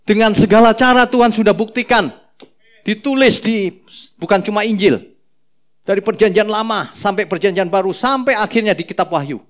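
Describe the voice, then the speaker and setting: A man preaching a sermon as pastor, telling the story in a playful, animated way with many asides. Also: sits high, moderate pace.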